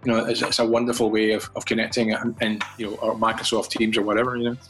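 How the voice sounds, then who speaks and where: A man's voice: on the low side, level tone, fast, a bit bright, soft background music, poor audio. Rambling older Scottish man. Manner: rambling, with many repeated words and restarts. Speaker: guest from a fathers' charity. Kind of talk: casual radio interview.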